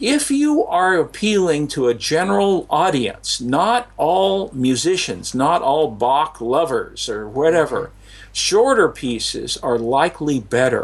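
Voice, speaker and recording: With an American accent, a man speaks at a fairly slow pace and a fairly high pitch, swinging very widely in pitch with hardly any pauses. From California, US. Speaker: retired professor and organ advocate. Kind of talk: interview.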